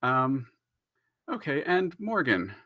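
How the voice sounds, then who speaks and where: Male moderator, mid-pitched and crisp-edged bright, thoughtful and halting, conversational, very dry sound. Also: sing-song, no echo. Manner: halting, reflective phrasing. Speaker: panel moderator.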